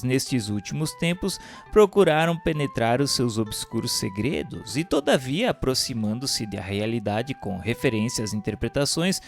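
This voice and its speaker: A Brazilian man narrates in a mid-pitched voice, solemn and formal. He delivers the scripted religious text in a declamatory way, like an audiobook reading, with instrumental music behind him. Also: vocal fry.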